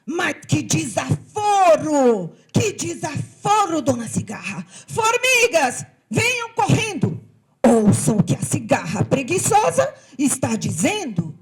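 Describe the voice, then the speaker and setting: A woman from voicing a stern, hardworking female ant who barks orders in a scolding, brisk way. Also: on the high side, big pitch swings, husky, full character voice. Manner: scolding, brisk, loud commands.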